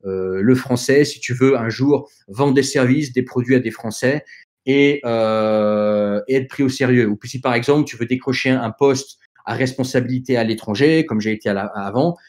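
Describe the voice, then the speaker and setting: A man's voice: medium pitch, normal speed, darkish tone. A man whose first language is not French, speaking as a podcast guest and giving direct advice to young listeners in a hesitant way, with many fillers and restarts. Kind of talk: conversational advice in an interview.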